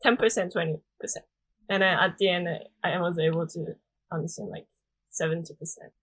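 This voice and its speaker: A woman's voice: fairly low pitch, steady tone, brisk, breathy edge. A young Japanese woman with a Japanese accent, chatting as a guest on a podcast, filling her speech with "like.". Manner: chatty, frequent "like" fillers, soft laughs. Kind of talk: casual podcast interview.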